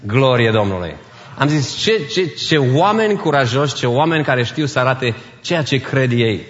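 A man's voice: a little high, a bit bright. A man preaching a sermon as pastor, emphatic, repeating key phrases and slipping in English phrases. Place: church. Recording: reverberant church hall, dull sound.

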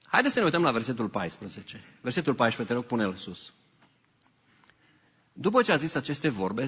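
A pastor preaches with animated emphasis, his voice bright and a little breathy. The sound is dull and lo-fi, and a long reverb from the church hall trails every phrase. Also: medium pitch. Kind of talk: sermon.

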